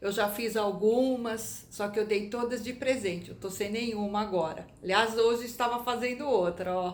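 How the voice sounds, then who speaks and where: A woman speaks at a moderate pace with fairly high pitch and fairly even intonation. Noticeable background noise and audible room echo surround her. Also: hardly any pauses. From São Paulo state, Brazil. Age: 60s. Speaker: course student. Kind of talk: testimonial.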